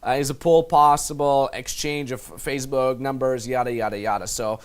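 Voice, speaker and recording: A man's voice: mid-range voice, fairly even intonation, moderate pace. Brash, profane Austrian man. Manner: brash, profane, laughing often. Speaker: dating coach. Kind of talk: breaking down recorded street conversations.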